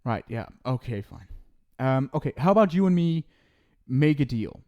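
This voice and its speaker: A man's voice: medium pitch, very animated, normal speed, highs cut off. A young man in an ASMR roleplay, scolding the listener in a teasing but caring way. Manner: scolding yet affectionate, playful teasing.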